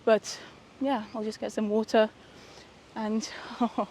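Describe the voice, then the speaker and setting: A woman's voice: fairly high pitch, little pitch movement, takes it slowly, slight background noise. Tired woman vlogging late at night. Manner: chatty, warm and a little tired, with soft laughs. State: tired, voice a little worn. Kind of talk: casual vlog narration. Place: outdoors at night by a hotel and fountains, then a hotel room.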